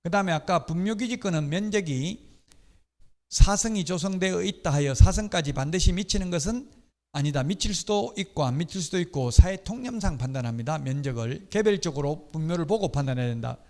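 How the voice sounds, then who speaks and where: A middle-aged man teaches real estate law in an exam-prep lecture. His voice sits a little high, and he explains patiently with offhand personal remarks. The recording carries a long reverb, as in a lecture hall. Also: animated, fairly quick, darkish tone. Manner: explanatory, with casual personal asides.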